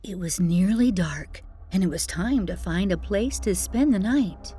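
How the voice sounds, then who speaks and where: Over background music, a children's storytime host tells a fairy tale expressively and chats playfully with young listeners along the way. She speaks unhurriedly in a mid-range voice with lively intonation.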